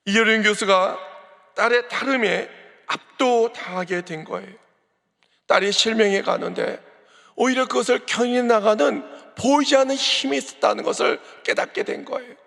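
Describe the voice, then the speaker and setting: A pastor preaching an early-morning sermon, speaking with emphasis and building to forceful declarations. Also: male voice, very high voice, moderate pace, creaky, long reverb tail.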